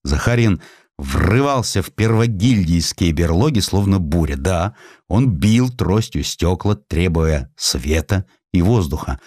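A man narrating a literary audiobook in an expressive, dramatic and emphatic storytelling manner. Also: sits low, no echo, studio quality.

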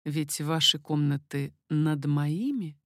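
A woman voicing an amorous, confident king in a storybook reading, lowering her voice and speaking slowly and insistently. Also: no room sound, studio quality. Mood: slow persuasive. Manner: low, slow, insistent. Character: amorous middle-aged man, a king, confident and ardent.

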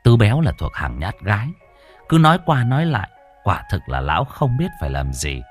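A man narrating a comic ghost story in a colloquial, lively manner. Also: on the low side, brisk, breathy edge, faint music behind.

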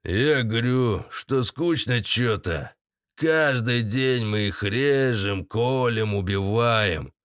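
A man's voice: medium pitch, lively intonation, takes it slowly, fairly bright tone, dry recording, clean studio sound. A man voicing a crude shaven-headed gang leader who drawls in street slang. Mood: menacing.

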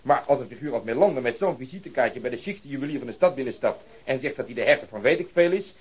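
A sceptical detective in a radio play. He talks quickly in a husky, mid-pitched voice, blunt and dryly sardonic. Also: expressive. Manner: dry, grumbling, sardonic. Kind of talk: Dutch radio drama acting.

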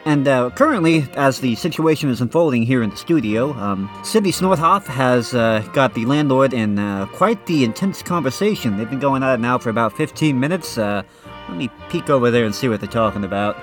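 A man's voice: mid-range voice, animated, a little fast, soft background music. A man hosting a radio show in a casual, hesitant, improvised way.

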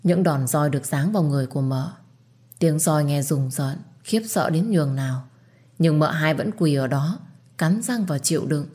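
A woman narrating an audio drama story in a steady, dramatic storytelling manner. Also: sits low, moderate pace, husky.

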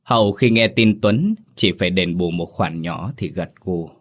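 Deep-voiced man narrating a mournful tale. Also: normal speed. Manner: solemn, mournful storytelling. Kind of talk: scripted narration of a tragic ghost story.

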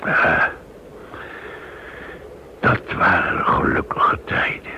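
A man's voice: extremely slow, pushed and bright, exaggerated voice. A man in a radio play acting an anxious, doubtful Jewish deportee, hesitant and questioning. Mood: hesitant assent. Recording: dull old recording, clear noise.

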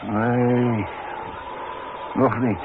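An older man acting in a 1960s radio drama as a cagey, proud old demolition worker, hesitant and deliberate in his talk. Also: mid-range voice, level tone. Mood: deliberate, confident. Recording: muffled old radio recording with faint noise.

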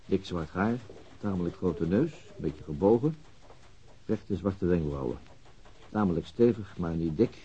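A man playing a sober, methodical police detective in a radio drama, reasoning in a deliberate, matter-of-fact way. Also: sits low, expressive, dark tone. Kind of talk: Dutch radio drama acting. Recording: dull, lo-fi radio drama recording.

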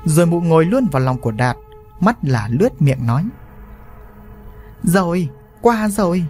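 A man narrating a scripted story in an expressive, animated reading. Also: on the high side, brisk. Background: faint music.

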